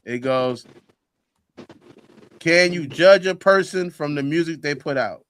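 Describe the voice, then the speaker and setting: A man's voice: on the high side, slow pace, fairly bright tone. A man hosting a casual talk show, chatting loosely and reading out headlines and comments. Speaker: host.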